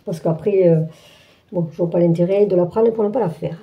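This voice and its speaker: A woman's voice: lowish voice, fairly quick, highs cut off. A woman hosting a craft channel, chatting through an unboxing with many fillers and restarts. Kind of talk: casual unboxing walkthrough.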